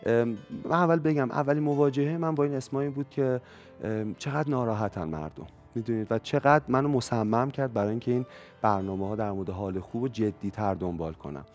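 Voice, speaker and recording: A man appearing as a guest on a television talk show, talking quickly and eagerly. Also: mid-range voice, a little mellow, faint music behind. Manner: fast, eager talker. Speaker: guest psychologist.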